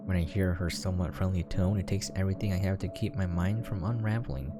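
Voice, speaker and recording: A man with a low-pitched voice talks casually through a visual novel, alternating between reading the text and musing on it. Soft music plays faintly behind him. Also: fairly even intonation, fast talker. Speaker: game preview commentator.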